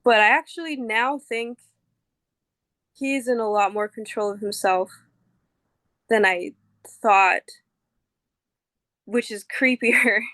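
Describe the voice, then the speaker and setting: A woman telling her own story in a casual way, with many likes and pauses. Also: fairly high pitch, fairly bright tone, dry recording, studio quality. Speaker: interview guest recounting her marriage. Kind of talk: personal storytelling.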